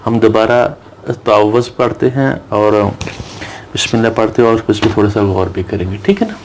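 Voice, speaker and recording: A male Quran reading teacher who drills letter sounds in slow, repeated chants and explains pronunciation. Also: fairly low pitch, lively intonation, slight background noise. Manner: recites Arabic verses slowly in a melodic chant. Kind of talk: slow drilled recitation lesson.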